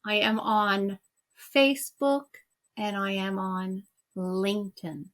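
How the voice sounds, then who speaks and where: A woman's voice: medium pitch, fairly even intonation, slow, fairly bright tone. A woman whose first language is French, talking earnestly as a guest in a conversational interview. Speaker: interview guest, EFT practitioner.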